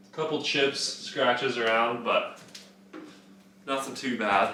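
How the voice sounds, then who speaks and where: A man's voice with ordinary pitch variation is heard through audible room echo and noticeable background noise. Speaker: car enthusiast vlogger. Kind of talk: casual vlog unboxing. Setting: at home. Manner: loud; animated.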